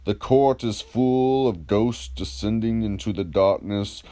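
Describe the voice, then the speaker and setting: A man reading the part of a patient, ironic, probing philosopher in a dramatised dialogue, in a measured, declamatory, questioning manner. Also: fairly low pitch, mellow, natural voice. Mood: solemn recitation.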